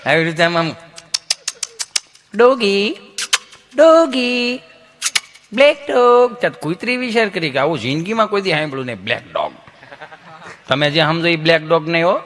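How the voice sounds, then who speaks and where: A man with a Kathiawadi Gujarati accent telling jokes and stories live on stage, animated, acting out the people in them. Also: on the high side, fast talker. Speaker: comedian. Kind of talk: live folk comedy storytelling.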